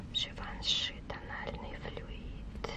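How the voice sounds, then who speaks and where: Loud background noise fills the clip while a woman speaks. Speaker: ASMR content creator. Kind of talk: ASMR unboxing of beauty boxes, casual talk to camera.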